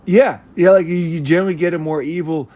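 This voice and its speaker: A man's voice: on the high side, steady tone, quick pace, mellow. An American man chatting casually in a rambling, blunt way, with frequent swearing. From United States. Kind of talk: casual chat.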